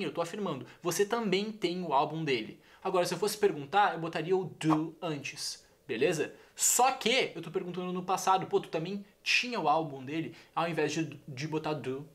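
A man's voice: a little high, a bit bright. Chatty Brazilian man teaching English. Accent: Brazilian Portuguese. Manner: enthusiastic, chatty, repeats examples. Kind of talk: casual video lesson.

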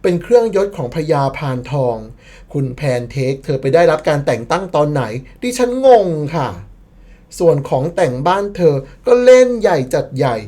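A woman's voice: deep voice, big pitch swings, brisk, dark tone. A woman narrating a scripted history commentary as the channel admin, playful and sarcastic, with bursts of mock disbelief.

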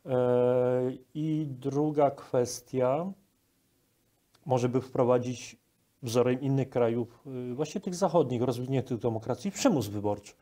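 A man's voice: mid-range voice, unhurried, dark tone. A man in his forties interviewing a guest as a program host, on a lapel microphone in a studio. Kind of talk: broadcast interview.

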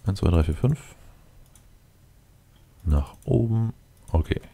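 A man's voice: low voice, animated, takes it slowly, vocal fry, warm tone, husky. A man giving casual gameplay commentary, thinking aloud and muttering to himself as he plays. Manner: muttering to himself, addressing game units directly. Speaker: let's player commenting on his game.

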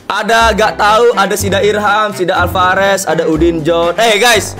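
A young adult man hosting a casual livestream, slangy and excitable, repeating his phrases, with a slightly hoarse voice. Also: high voice, normal speed, over music. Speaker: livestream host. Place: indoor streaming desk.

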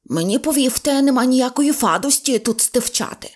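A woman's voice: sits high, animated, moderate pace, voice pushed up. Woman doing a whiny lispy old cheapskate guy from a storybook, grumbles and haggles nonstop. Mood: haggling. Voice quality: lisping, says f instead of r. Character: stingy rich old male shorty, whiny and stubborn.

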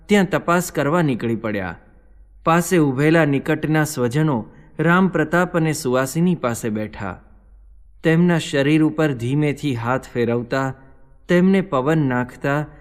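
A man giving solemn, vivid scripted narration of a devotional story, heard with a long hall reverb. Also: on the high side.

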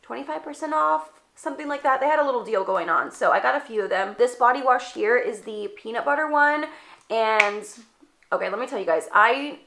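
A woman's voice: fairly high pitch, animated, fairly quick, gravelly, pushed and bright, a little hiss or hum. Congested chatty young woman. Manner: chatty, lots of "like" fillers. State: congested, stuffy nose. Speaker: beauty vlogger. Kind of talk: casual product haul chat. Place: small indoor room with shelves.

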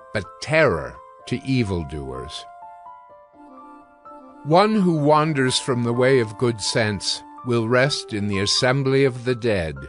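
Slow-paced male scripture narrator over music. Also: medium pitch. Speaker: audio Bible narrator. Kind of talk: dramatized scripture reading. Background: background music.

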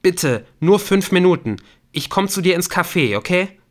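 Audiobook role: accused young boyfriend, voiced by a male narrator, urgent, lifted pitch, bright and tense. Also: lively intonation, normal speed. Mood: pleading. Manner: earnest, urgent, defensive. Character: anxious, pleading young man, the accused boyfriend.

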